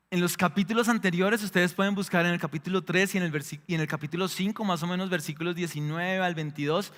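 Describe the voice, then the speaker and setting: High-voiced preacher in a reverberant church hall. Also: male voice. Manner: dramatic, shifts between loud exclamations and hushed lines. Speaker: pastor. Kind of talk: sermon.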